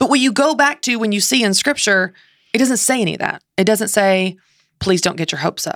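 A woman with a normal speaking voice and fairly high pitch speaks at a fairly quick pace with lively intonation, on a very clean recording with a silent background and a dry, close sound with no echo. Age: 30s. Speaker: author and speaker. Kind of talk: interview conversation.

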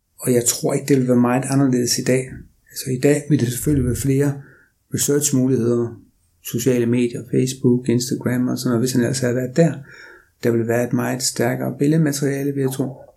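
A man's dark, mellow, medium-pitched voice, monotone and flat, at a fairly quick pace. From Denmark, Aarhus. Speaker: journalist. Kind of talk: interview.

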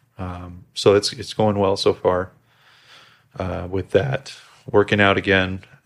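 With fairly even intonation and a fairly low pitch, a man talks with long, frequent pauses. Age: 30s. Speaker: podcast guest on testosterone therapy. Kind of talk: casual interview chat. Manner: halting, repeats words.

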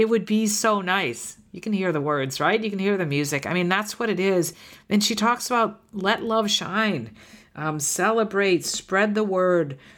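In a very clean recording with a silent background, a woman speaks at a fairly slow pace with medium pitch and ordinary pitch variation. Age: 50s. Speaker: podcast host. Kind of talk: solo podcast monologue. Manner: hesitant with many fillers.

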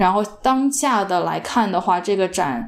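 Speaking at a fairly slow pace, a woman uses lively intonation with vocal fry. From China. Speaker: fashion designer. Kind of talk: interview.

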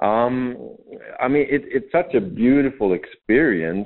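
Using lively intonation, a man with a Swedish accent speaks at a moderate pace. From Sweden. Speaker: voice coach. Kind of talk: interview.

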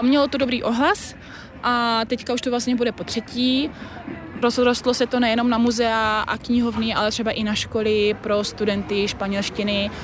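Over noticeable background noise, a woman speaks at a moderate pace with a fairly high pitch and monotone, flat intonation. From Czech Republic, Nový Jičín. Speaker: folklorist and violinist. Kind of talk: interview. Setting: outdoors on a town square.

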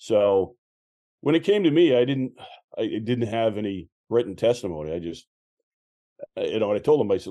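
Vocal fry runs through speech that swings very widely in pitch. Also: man. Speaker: gun rights advocate. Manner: tired, exasperated.

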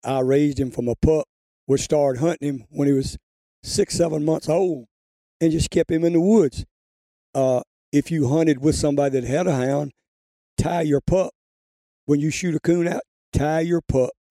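This man has a fairly high pitch and a dark, mellow tone, and his intonation stays fairly even. He pauses long and often, and the sound is dry and close with no echo. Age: 70s. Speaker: coon hunter. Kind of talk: casual chat.

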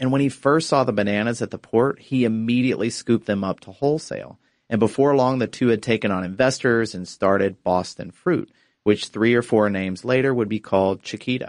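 Speaking at a fairly quick pace, a man has an ordinary speaking voice at medium pitch with ordinary pitch variation. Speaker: podcast co-host. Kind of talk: casual chat.

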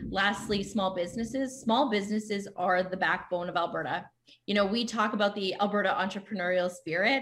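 A woman with a Canadian accent speaks in a normal speaking voice at a medium pitch and fairly quick pace, with ordinary pitch variation. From Saskatchewan, Canada. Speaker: provincial politician. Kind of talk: interview.

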